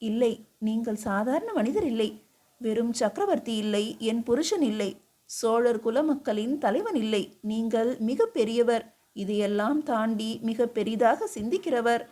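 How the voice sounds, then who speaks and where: A woman's voice: a little high, lively intonation, a little slow, warm tone. A woman voicing a humble, devoted queen who speaks earnestly and pleadingly, in an audiobook reading. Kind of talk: audiobook character voice.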